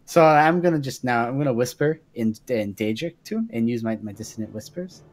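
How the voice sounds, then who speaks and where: A man's voice: medium pitch, lively intonation, a little fast, a little hiss or hum. A man chatting casually as a player in a tabletop roleplaying game. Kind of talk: casual chat during a game.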